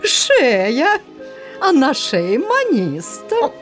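An actress playing a coquettish, teasing village temptress in a theatrical audio drama. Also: female voice, high voice, huge pitch swings, drawn-out words, faint music behind, exaggerated voice. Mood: coy, flirtatious.

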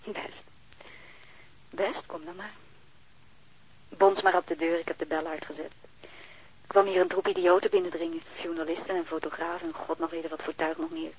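A woman's voice: fairly low pitch, flat delivery, moderate pace, pauses often, breathy edge. An actress playing a weary, irritable woman in an audio drama, curt and exasperated. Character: weary, irritable woman wanting to be left alone. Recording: dull, band-limited radio drama recording.

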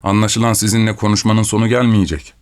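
A man voicing a grumpy old male doorkeeper, with a muffled, husky voice and short, evasive replies. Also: on the low side, flat delivery, fast, a little mellow, natural voice. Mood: curt.

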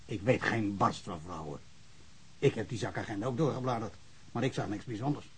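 A man's voice: lowish voice, fairly quick, husky. An actor playing an emotional, stammering small-town policeman in a radio drama. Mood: agitated, sheepish. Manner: stammering, repetitive, rambling.

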